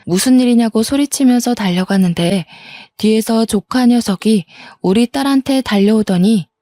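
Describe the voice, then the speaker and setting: Brief: woman storyteller, warm low tone, dry close sound, dramatic first-person retelling. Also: no echo. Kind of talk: scripted story narration.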